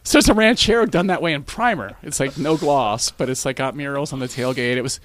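A man's voice: medium pitch, a little fast, a crowd in the background. A man telling a long anecdote in casual conversation, with many restarts. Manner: animated, rambling with restarts. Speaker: guest. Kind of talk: casual storytelling.

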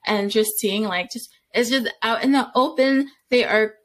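A woman's voice: fairly high pitch, normal speed, slight background noise. A woman guest on a podcast, chatting casually in a rambling way, full of "like" and restarts, and laughing often. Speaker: podcast guest, comics creator.

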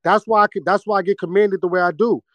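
A man's voice: sits high, fairly even intonation, quick pace, no echo, lo-fi sound. A man co-hosting a casual podcast who talks in easy slang and laughs often. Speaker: podcast co-host.

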